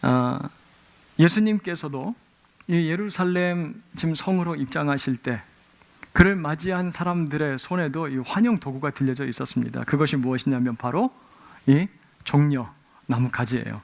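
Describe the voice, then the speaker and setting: A middle-aged man preaching a Sunday sermon in a church, telling stories with lively acted-out exclamations. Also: medium pitch. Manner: animated storytelling with acted-out exclamations. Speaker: pastor. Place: church sanctuary.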